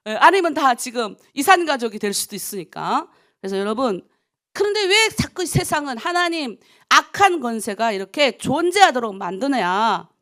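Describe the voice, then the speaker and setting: A middle-aged woman pastor from North Korea preaches at dawn prayer, her high voice swooping widely up and down. She talks with urgent emphasis, stacking rhetorical questions one after another. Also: fairly bright tone.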